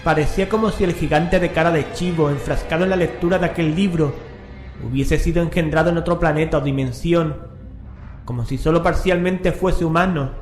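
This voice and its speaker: A man's voice: fairly high pitch, steady tone, a little fast. A man narrating a scripted horror story in a solemn, dramatic manner. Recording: echoing, music underneath.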